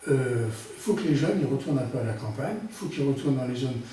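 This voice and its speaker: Amid noticeable background noise and audible room echo, a man talks in a fairly high voice with ordinary pitch variation. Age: 60s. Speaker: general practitioner doctor. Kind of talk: interview. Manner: hesitant, repeats words.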